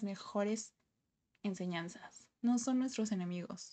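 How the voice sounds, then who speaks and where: Against a quiet background, a woman with a dark, mellow tone speaks at a very slow pace, fairly high in pitch and with fairly even intonation. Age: 20s. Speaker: podcast host. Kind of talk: monologue.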